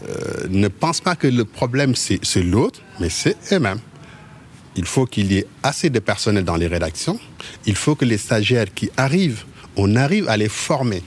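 Halting low-voiced man. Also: slight background noise. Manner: halting, with frequent word repetitions. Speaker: journalist interviewee. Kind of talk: conversational interview answers.

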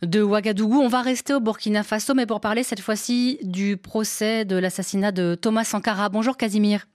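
A woman hosting a radio call-in show in a dry, close studio sound. She is measured and courteous, thanking callers and framing questions. Her pitch sits in an even middle range. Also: no echo. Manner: measured, courteous, with hesitant fillers. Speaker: radio host.

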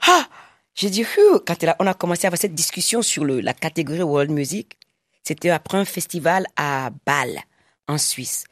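A middle-aged woman singer, a guest in a casual studio interview, telling stories with animated voices and frequent laughter. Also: deep voice, normal speed, no room sound. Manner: lively storyteller, acts out quoted people, laughs often. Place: recording studio. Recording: dry, close studio sound.

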